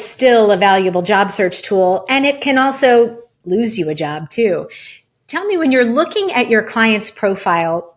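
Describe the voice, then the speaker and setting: A woman hosting a podcast interview, posing measured, scripted questions with casual asides. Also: mid-range voice. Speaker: podcast host.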